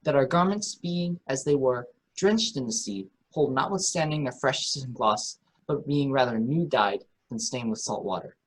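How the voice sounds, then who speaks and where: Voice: mid-range voice, lively intonation, moderate pace, few pauses, slight background noise, lightly acted, rough recording. A performer reading a kindly, talkative, optimistic old courtier in a Shakespeare radio play, with earnest, wordy delivery. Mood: cheerful, wondering.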